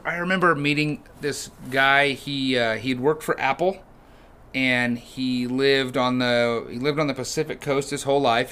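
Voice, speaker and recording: A man co-hosting a church podcast, chatting casually and acting out storybook moments. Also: mid-range voice. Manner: animated, acts out storybook voices with shouts. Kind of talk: casual chat.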